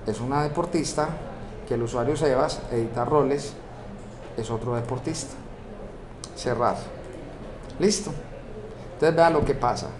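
A man with a Colombian Spanish accent, teaching a software course and walking through a screen-recorded tutorial step by step, often checking in with rhetorical questions. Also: mid-range voice. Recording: echoey room with steady background noise.

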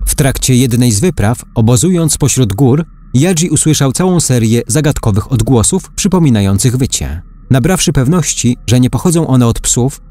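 A man reading a scripted article aloud as a narrator, in a measured storytelling manner, like a documentary. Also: medium pitch, mellow. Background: faint background music.

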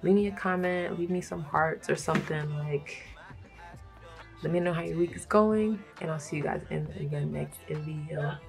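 A woman from Brooklyn, hoarse from a cold, chatting casually and laughing often as she talks through her budget. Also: deep voice, normal speed, darkish tone, faint music behind. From Brooklyn, New York. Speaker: budgeting vlogger. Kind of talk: casual chat while stuffing cash envelopes.

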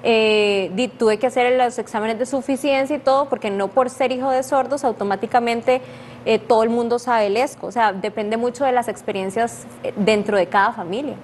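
Young Costa Rican woman, fairly high voice, clear explainer, interview guest on a lapel mic with faint studio hum. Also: fairly even intonation, normal speed, darkish tone. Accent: Costa Rican Spanish. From Costa Rica. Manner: clear, explanatory, laughs easily. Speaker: sign language interpreter, guest. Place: dark studio set with armchairs.

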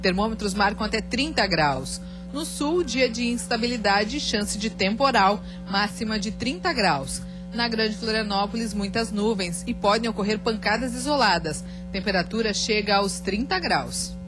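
A woman anchoring a regional TV newscast, reading her script in a steady, measured way. Her voice sits at a middle pitch and is captured close on a lapel mic in a studio, with music playing clearly underneath. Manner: even, scripted delivery. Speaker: news anchor. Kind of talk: news presenting. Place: TV news studio.

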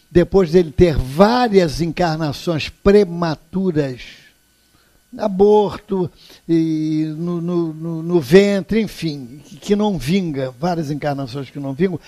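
A man's voice: sits high, dark tone. An older Brazilian man giving an earnest public lecture in a hall, telling stories with emphasis. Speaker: lecturer at a spiritist center. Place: indoor lecture hall, standing before an audience.

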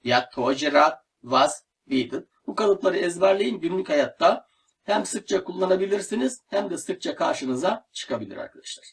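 A man teaching a language lesson, slowly repeating each word and then translating it, often calling his listeners friends. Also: sits high, expressive, husky, distant mic. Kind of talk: slow, deliberate lesson narration.

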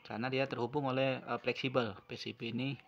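A man's voice: medium pitch, flat delivery, fast, creaky, highs cut off. A man narrating an unscripted hands-on repair tutorial, explaining step by step and often repeating himself. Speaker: phone repair tutorial presenter. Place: at a wooden table indoors.

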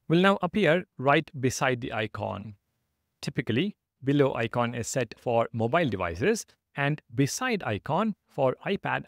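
A man's voice: medium pitch, no room sound, studio quality. A man narrating a step-by-step programming screencast as the instructor, in a methodical, instructional manner.

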